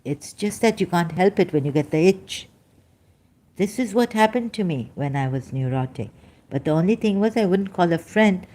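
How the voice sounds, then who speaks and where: A woman giving an unscripted personal monologue to camera, halting often and searching aloud for the right words. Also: lowish voice, animated, dark tone. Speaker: vlogger.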